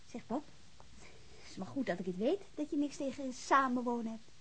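An actress playing a cheeky, teasing young student daughter in a radio drama, playful and probing. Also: female voice, high voice, animated, moderate pace, a bit bright, husky, heavily acted. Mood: playful, coy. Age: young adult. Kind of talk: Dutch radio drama dialogue.

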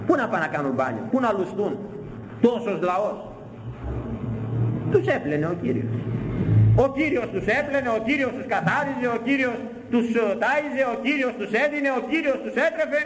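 Emphatic older Greek priest preaching. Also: male voice, sits high, reverberant, low-quality recording. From Greece. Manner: repetitive, emphatic preaching with rhetorical questions. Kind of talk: sermon.

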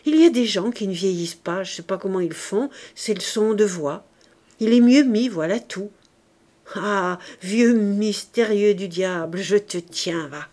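A woman's voice: mid-range voice, a little slow, a little mellow, natural voice. A woman reading aloud, voicing a domineering poor older man who speaks in a raised, agitated, commanding voice. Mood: excited, gloating.

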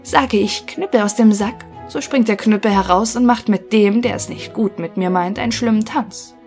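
A woman's voice: medium pitch, normal speed, darkish tone, faint music behind, lightly acted. Woman reading a proud young craftsman son.

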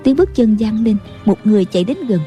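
A woman narrating a martial-arts novel as an audiobook in a steady storytelling voice. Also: medium pitch, quick pace. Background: faint music.

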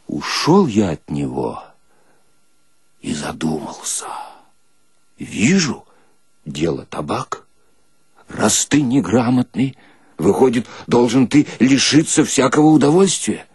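A man plays a cunning, unlettered soldier spinning an indignant radio yarn. His speech is folksy, his pitch leaps around, and his voice is husky. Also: takes it slowly, long pauses, dry recording, clean studio sound, full character voice. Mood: brooding, scheming. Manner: folksy, colloquial, animated. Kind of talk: radio monologue acting.

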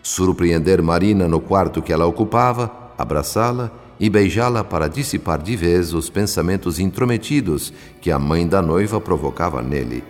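A man with a Brazilian accent narrating a radio soap opera in a measured, solemn, dramatic way. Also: low-pitched, long reverb tail. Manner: measured, solemn, literary phrasing.

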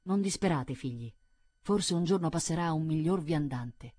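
A woman reading the part of a stern, dignified old man who speaks calmly and gravely, with a husky voice. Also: low-pitched, normal speed, no room sound. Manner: calm and grave. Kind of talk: audiobook reading.

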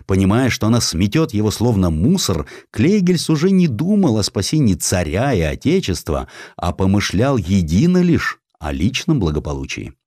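A man's voice: fairly low pitch, wildly swooping pitch, moderate pace, hardly any pauses, darkish tone, dry recording, clean studio sound. A man narrating historical sketches as an audiobook, with wry, theatrical expression. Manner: wry, theatrical storytelling with acted quotes.

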